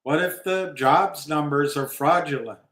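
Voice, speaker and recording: A man's voice: fairly high pitch, a little slow, a bit bright. A man hosting a casual livestream about markets, rambling and opinionated with wry asides. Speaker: livestream host. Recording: roomy echo.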